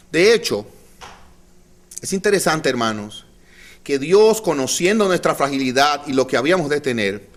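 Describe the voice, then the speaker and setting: A male pastor preaching a sermon to his congregation, calling them brothers and having them repeat phrases, with sudden drops to quiet, low emphasis. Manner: dynamic delivery, drops to soft low tones for emphasis. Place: church.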